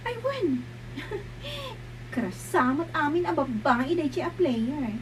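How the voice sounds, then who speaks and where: A woman performing lively, emotional dialogue in an Ilocano audio drama. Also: sits high, takes it slowly, background noise.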